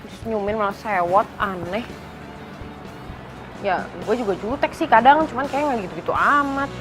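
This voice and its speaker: A woman's voice: on the high side, normal speed, natural voice. A woman playing a cheeky young woman who answers back with sassy, muttered remarks, over a music score.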